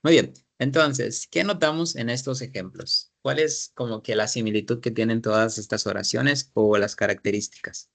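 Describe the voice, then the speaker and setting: A man's voice: medium pitch, moderate pace, gravelly, few pauses, a bit bright. A man teaching an English class, explaining grammar in Spanish, repeating his students' sentences and asking guiding questions.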